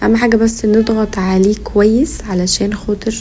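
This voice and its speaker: Noticeable background noise sits under a woman's voice. Her pitch is medium and her intonation fairly even. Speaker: lifestyle vlogger. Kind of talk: casual cooking vlog.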